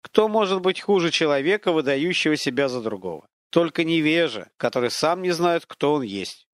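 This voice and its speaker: A man voicing an invisible, boastful male war god who mocks and lectures in a pompous, drawn-out, declamatory way. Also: fairly high pitch, animated, no echo, studio quality, close to an everyday voice. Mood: haughty.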